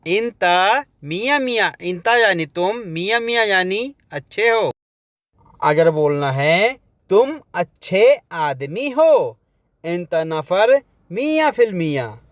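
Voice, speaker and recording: A man's voice: high voice, very animated, slow, a bit bright, no echo. A man teaching a language lesson, saying each phrase and then explaining it word by word.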